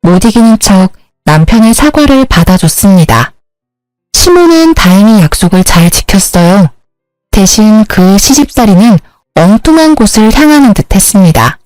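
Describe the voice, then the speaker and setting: A woman narrating her own story in a plain, even recounting style. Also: medium pitch, moderate pace, no room sound, soft background music.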